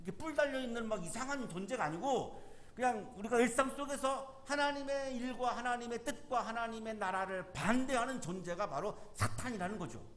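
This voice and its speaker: High-voiced man preaching a chapel sermon. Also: fairly quick. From South Korea. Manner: explanatory, acts out quoted lines loudly. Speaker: chaplain preaching. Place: university chapel.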